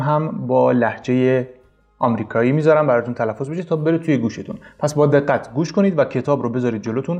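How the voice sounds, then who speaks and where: A man's voice: medium pitch, a little mellow. A man talking to his students as their English teacher, in an easygoing, coaching way. He keeps repeating the corrections and encourages them, with faint music playing behind him. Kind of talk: casual language lesson.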